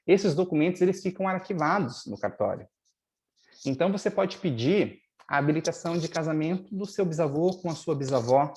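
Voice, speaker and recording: A lawyer speaking as a guest on a live webinar over a video call, explaining procedures step by step and at length. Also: male voice, on the high side, lively intonation, fairly quick, darkish tone. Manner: didactic, long-winded, stressing key points.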